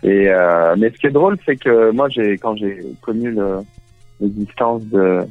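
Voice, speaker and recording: A man's voice: fairly low pitch, a little slow, no echo. A man with an accent from France, a guest in a casual phone interview, talking hesitantly as he searches for words. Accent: French from France. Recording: dull band-limited phone line, faint music. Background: faint music.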